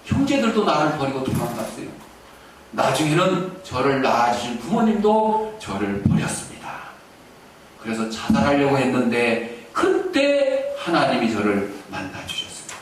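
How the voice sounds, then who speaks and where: A man's voice: mid-range voice, very animated, moderate pace, a little hiss or hum, voice pushed down, close to an everyday voice. A pastor voicing a man with leprosy who is tearfully confessing his gratitude, heard in an echoey church from a distance. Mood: lamenting. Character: weeping man with leprosy giving thanks.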